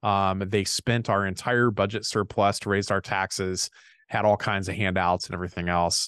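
A man with an American accent speaks at a moderate pace in a fairly low pitch with fairly even intonation. The sound is dry and close with no echo, over a quiet background. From Indiana, US Midwest. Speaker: gun rights activist. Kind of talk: interview.

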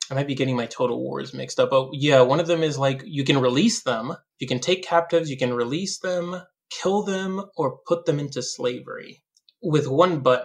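Somewhat breathy speech from a man, fairly high in pitch, moderate in pace, with ordinary pitch variation. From Puerto Rico. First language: Spanish. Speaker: ancient historian. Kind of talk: casual chat.

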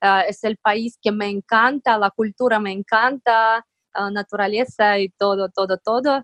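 A woman of medium pitch with a Russian accent and fairly even intonation, in a dry, close sound with no echo. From Russia, Moscow. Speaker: Instagram marketing agency founder. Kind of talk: interview. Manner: halting, many fillers.

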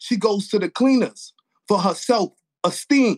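The sound is dry and close, with no echo. A man speaks at a moderate pace with ordinary pitch variation. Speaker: poet. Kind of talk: poetry performance.

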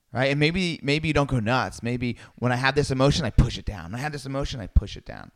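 A very fast, vocal-fried delivery with big swings in loudness, on a very clean recording over a silent background. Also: man, medium pitch for a man, ordinary pitch variation. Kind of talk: pep talk. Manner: intense, urgent coaching push, with short commanding repeated phrases.

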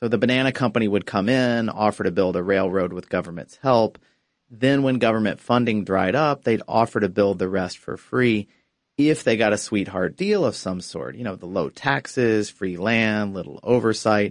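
A normal speaking voice comes through at a medium tempo, its pitch rising and falling by a typical amount. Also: man, fairly low pitch for a man. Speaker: podcast co-host. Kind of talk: casual chat.

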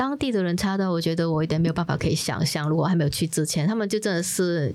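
With a Malaysian accent, a woman speaks in a fairly low voice with ordinary pitch variation, very even loudness and hardly any pauses. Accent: Malaysian Chinese Mandarin. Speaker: humanitarian logistics worker. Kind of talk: interview. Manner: hesitant, many filler sounds.

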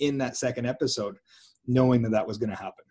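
A man's dark, mellow tone. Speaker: podcast host, coach. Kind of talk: casual interview chat.

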